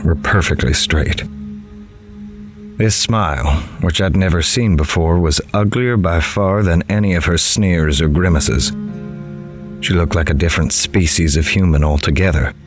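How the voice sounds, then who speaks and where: An actor playing a grave, observant newspaper reporter, narrating a horror audio drama in the first person in a measured, literary way. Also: male voice, low voice. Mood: somber. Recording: music behind the voice.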